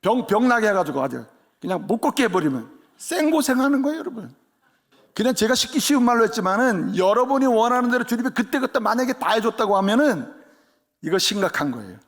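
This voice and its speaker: A man preaching a sermon in a church, lively and conversational, often asking the congregation questions. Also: high voice, fast. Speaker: pastor. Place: church sanctuary.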